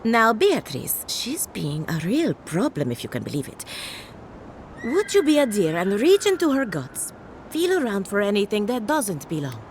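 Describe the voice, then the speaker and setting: A woman's voice: mid-range voice, huge pitch swings, moderate pace. Chatty undead-farm lady in a fantasy game, blithe and wry, very swoopy delivery, faint noise behind. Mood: coaxing, intrigued. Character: chatty, morbidly cheerful female necromancer farmer. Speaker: game character. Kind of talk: scripted video game dialogue.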